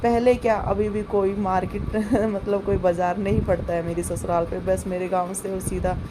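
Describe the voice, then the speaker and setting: A young woman with a slightly sore throat talks casually through her vlog, rambling and laughing softly. Her voice sits at an ordinary middle pitch. Clear noise from outside and traffic runs behind her. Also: level tone, normal speed. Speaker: vlogger. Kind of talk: casual vlog narration and voice-over. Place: outdoors by a road, then voice-over.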